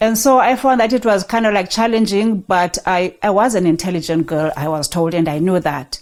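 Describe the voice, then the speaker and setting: A woman of medium pitch speaks with a South African accent. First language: Xhosa. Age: 70s. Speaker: immigrant. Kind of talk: interview. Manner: halting.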